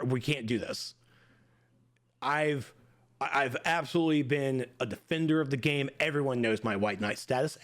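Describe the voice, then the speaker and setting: A man's voice: medium pitch, fairly bright tone. A man in his forties, a gaming streamer, giving a heated, emphatic opinion rant straight to his viewers. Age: 40s.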